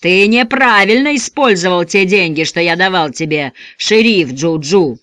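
A narrator voicing a gruff backwoods outlaw father who bellows coarse threats. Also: medium pitch, lively intonation, brisk, fairly bright tone, dry recording, clean studio sound, voice pushed up, natural voice. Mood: bellowing.

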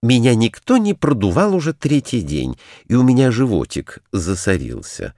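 A man's voice: medium pitch, sing-song, moderate pace, darkish tone, no echo, clean studio sound. A man voicing a plaintive female toy cat in a storybook reading. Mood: whiny.

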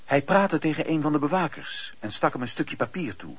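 A man narrating a radio play in a dramatic, scripted storytelling style, with a husky voice. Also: fairly high pitch, expressive, a little fast, no room sound. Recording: dull, lo-fi radio play recording.

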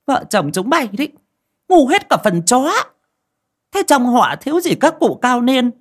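A shrill older aunt scolds her relatives in a spoken ghost story, put on by a woman narrator. Her voice climbs high and loud, with a husky edge and wild swings in pitch. She sounds bossy and fearful. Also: sing-song, measured pace, exaggerated voice. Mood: shrill scolding. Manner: shrill, berating, superstitious scolding. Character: harsh scolding older woman, clan head's wife.

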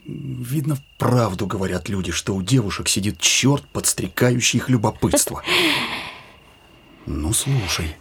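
A man's voice: medium pitch, huge pitch swings, takes it slowly, gravelly, fairly bright tone, a little hiss or hum. A young man in a radio play, telling his sweetheart an old tale in a tender, teasing way. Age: young adult.

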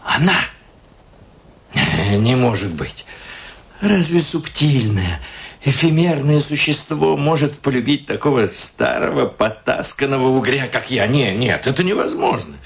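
A man's voice: mid-range voice, lively intonation, measured pace. An actor playing a self-important, easily flustered middle-aged married man in a radio play, muttering to himself with theatrical hesitation. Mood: musing, intrigued. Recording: radio play with music underneath.

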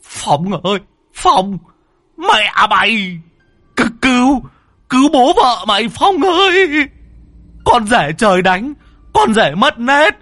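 A man's voice: medium pitch, very animated, a little slow, pauses often, fairly bright tone, slightly rough, no echo, clean studio sound, full character voice. A man voicing a panicked old father-in-law who stammers and curses as he calls for help.

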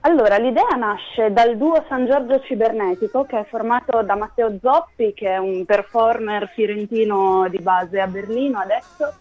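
A woman's voice: fairly high pitch, lo-fi sound. A woman guest from a theater collective, explaining her project thoughtfully in a radio interview.

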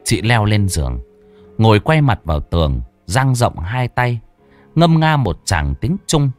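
A man's voice: lowish voice, big pitch swings, unhurried, soft background music. Dramatic storyteller man. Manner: dramatic, swooping delivery. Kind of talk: folk ghost story narration.

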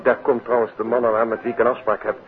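An actor in a 1950s radio drama playing a polite, formal gentleman who speaks emphatically and excitably. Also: mid-range voice, fast talker, phone-quality sound, faint music behind, lightly acted. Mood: shocked, concerned. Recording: thin old radio, crowd murmur behind.

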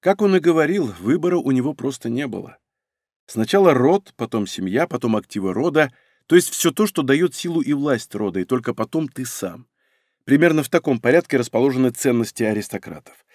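Lively male audiobook narrator. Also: medium pitch, fairly quick, no echo, studio quality. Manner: wry, conversational storytelling. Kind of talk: first-person audiobook narration.

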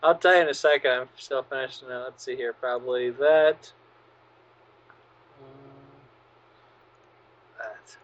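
A man's voice: medium pitch, fairly even intonation, a little slow, long pauses, fairly bright tone, dull audio. A man co-hosting a casual podcast chat, sardonic and swearing freely. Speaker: podcast co-host.

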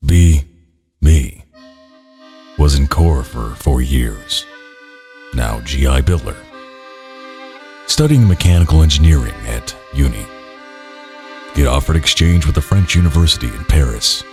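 A man's voice: a bass voice, animated, unhurried, long pauses, over music. A man reading internet stories aloud for comedy in a terse, dry manner.

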